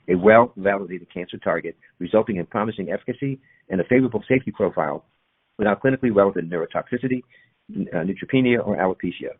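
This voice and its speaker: A man's voice: lowish voice, husky. A man reading a formal, technical corporate presentation from a prepared script, as an executive on an earnings call. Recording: muffled, band-limited conference call audio.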